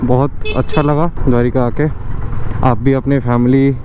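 A man's voice: mid-range voice, little pitch movement, moderate pace. A man with an Indian accent chatting casually as a motorcycle vlogger, thinking aloud as he rides and mixing in English phrases. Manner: unscripted, thinking aloud while riding. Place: outdoors on a moving motorcycle. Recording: muffled helmet mic with loud wind, road noise.

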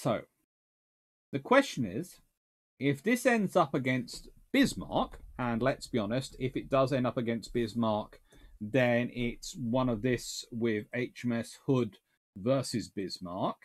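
A man's voice: mid-range voice, animated, takes it slowly. Rambling bearded man in a book-lined study. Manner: rambling, self-correcting, musing aloud. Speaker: naval historian answering viewer questions. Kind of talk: casual livestream Q&A. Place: small home study lined with books.

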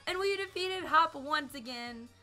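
A woman's voice: high-pitched, expressive, a little slow, sharp tone, soft background music. A young woman in her twenties chatting and reacting while live-streaming a game, her voice a little tired from nights of streaming, laughing and singing along now and then. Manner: chatty, bubbly, laughs often, sings along. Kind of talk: live gameplay commentary.

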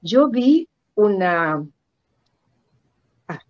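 An older woman with a Chilean accent recounts personal stories reflectively in an interview, halting and repeating words for emphasis over a video call. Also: mid-range voice, big pitch swings, no room sound. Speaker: guest performance artist. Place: indoor room at home. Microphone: computer mic on a video call. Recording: dull lo-fi video call audio.

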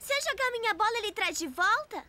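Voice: very high voice, expressive, quick pace, pushed and bright, full character voice. An actor voicing a cheerful, curious preschool boy in a children's cartoon dub, with a Brazilian accent and simple childlike delivery. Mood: eager, friendly.

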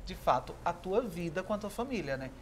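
A woman's voice: on the low side, expressive, a little fast, slight background noise. A woman in her thirties with a Brazilian accent, hosting an interview in a chatty, agreeable way. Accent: Brazilian Portuguese. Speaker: talk show host. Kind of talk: interview chat. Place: pink decorated studio set, indoors.

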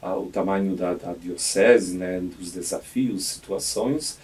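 A man's voice: low-pitched, slow, a little mellow, far from the mic. A man in his fifties, a bishop from Poland with a Polish accent, speaking in a radio studio interview, reflective and hesitant with many restarts. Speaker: auxiliary bishop. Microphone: studio mic on boom arm.

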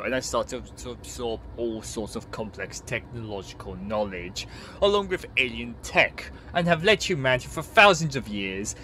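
Cold AI overlord for an audio play, pompous, threatening, varied in pitch, acted by a man. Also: a bit bright, a little hiss or hum, close to an everyday voice. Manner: pompous, menacing. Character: ancient tyrannical ruler in an AI body, cold. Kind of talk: amateur audio play acting.

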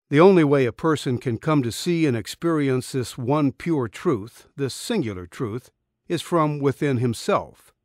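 A middle-aged man reading a spiritual essay as an audiobook narrator, earnest and deliberate, close on a studio microphone in a small booth. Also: on the high side, no room sound. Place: small dim recording booth. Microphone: studio condenser microphone, close.

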